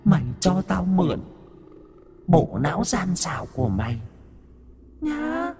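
A man voicing a sly, mocking black cat spirit with a high, shrill, taunting voice. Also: wildly swooping pitch, measured pace, dark tone, exaggerated voice. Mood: sinister. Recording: faint music underneath.

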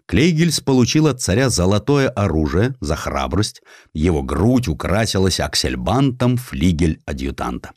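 A man reads a historical tale with theatrical irony. His voice sits fairly low and moves through very lively intonation. The sound is dry and close, with little room around it. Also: moderate pace, breathy edge, dry recording. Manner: theatrical, ironic storytelling. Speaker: audiobook narrator. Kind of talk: expressive narration of a satirical historical story.

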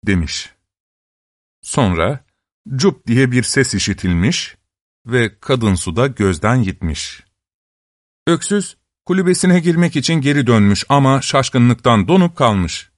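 A man narrates a fairy tale in a measured, unhurried way. His voice sits mid-range, and the recording is dry and close, with no room around it. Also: mid-range voice, big pitch swings, no echo. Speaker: storyteller.

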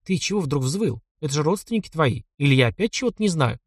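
A man's voice: high-pitched, big pitch swings, fast, no room sound, pitched above the performer's own voice. A bold young woman with plenty of character, acted by a man who lifts his voice well above his usual range. She talks in a spirited, pointed way. The recording is dry and close.

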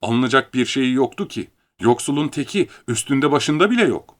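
A man reading a first-person story aloud as an audiobook, with animated, theatrical storytelling. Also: mid-range voice, moderate pace.

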